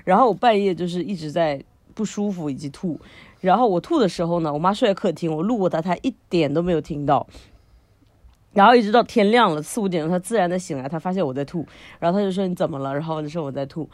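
A woman co-hosting a podcast, telling a long personal story in a lively way, laughing often and using lots of fillers. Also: on the low side, quick pace, no echo. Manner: animated, frequent laughter, many fillers. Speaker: podcast co-host. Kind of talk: casual storytelling chat.

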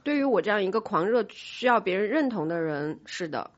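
A woman's voice: mid-range voice, lively intonation, brisk. A woman hosting a casual panel chat, speaking candidly and self-critically about herself as a boss. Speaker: podcast host, company boss. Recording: dull, band-limited sound.

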